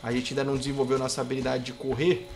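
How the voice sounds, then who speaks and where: A man with a Brazilian Portuguese accent commenting on his gameplay, playful and trash-talking, bursting into excited shouts. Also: medium pitch, very fast, gravelly. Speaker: gameplay youtuber.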